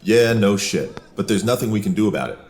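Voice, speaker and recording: An actor playing an easygoing, wisecracking police officer who keeps the peace, in an audio drama with colloquial, teasing dialogue. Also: male voice, on the low side, expressive, brisk, darkish tone, slight background noise, lightly acted. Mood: wry. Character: easygoing male cop, wisecracking peacemaker among colleagues.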